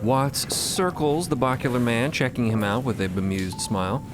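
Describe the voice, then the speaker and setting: A man's voice: mid-range voice, moderate pace, noisy background. A man co-narrating a fantasy audio story in a scripted but conversational style. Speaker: podcast co-narrator.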